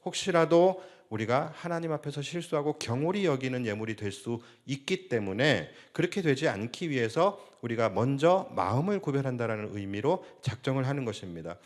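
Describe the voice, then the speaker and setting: A man's voice: medium pitch, animated, brisk, hardly any pauses. A male senior pastor preaching a Sunday sermon, asking the congregation rhetorical questions and acting out quoted speech.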